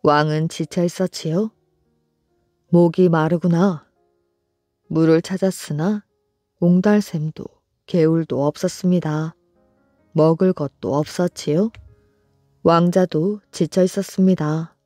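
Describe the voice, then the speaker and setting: A storyteller narrating a folktale for a bedtime audiobook, in a slow, soothing, even reading. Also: mid-range voice, no room sound, clean studio sound. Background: soft background music.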